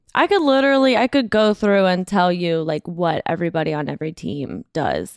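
Recorded very cleanly with a silent background and a dry, close sound with no echo, a woman speaks fairly quickly with hardly any pauses, lively intonation and a fairly low pitch. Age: 20s. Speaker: sports podcast co-host. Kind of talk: casual chat.

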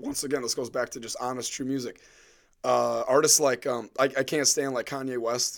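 Using a normal speaking voice, the speaker moves at a moderate pace with fairly even intonation. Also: man, medium pitch for a man. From US Midwest, small-town Wisconsin. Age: 20s. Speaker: fitness coach. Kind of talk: casual chat.

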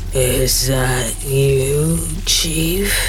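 A croaky, put-on character voice comes through over loud background noise.

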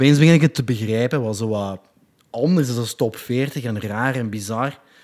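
At a medium pitch, a man speaks at a moderate pace with ordinary pitch variation. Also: long, frequent pauses. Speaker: DJ. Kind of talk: casual interview chat.

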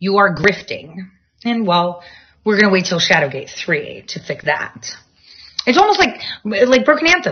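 Delivered at a moderate pace in an American accent, the voice swings very widely in pitch and breaks into long, frequent pauses. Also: woman, medium pitch for a woman. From New York. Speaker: livestreamer. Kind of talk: live stream monologue. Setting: live stream. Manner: rambling, conversational.

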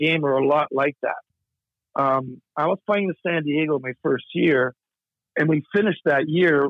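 Here is an unremarkable speaking voice. It moves at a moderate pace with ordinary pitch variation. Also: man. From Nova Scotia, Canada. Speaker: former hockey goaltender. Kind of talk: interview.

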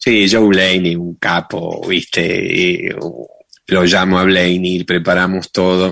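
A man speaks at a very slow pace in a very deep, low voice with a bright, sharp tone. His intonation is monotone and flat. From Argentina. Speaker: DJ and music producer. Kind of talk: casual interview.

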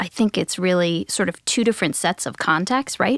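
The recording is very clean with a silent background and a dry, close sound with no echo. A woman speaks in a normal speaking voice at a medium pitch with lively intonation. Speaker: marketing director. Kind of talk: panel discussion.

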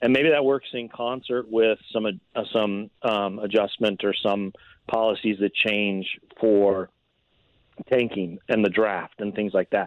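This man has an unremarkable speaking voice, fairly low in pitch. He talks at a fairly slow pace with fairly even intonation. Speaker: baseball beat writer. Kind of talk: radio interview, sports analysis.

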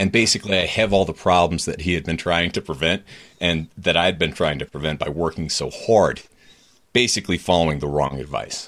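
The recording is very clean, and the background is silent. A man in an American accent talks at a moderate pace. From New Hampshire, US. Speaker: author and podcast host. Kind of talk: interview.

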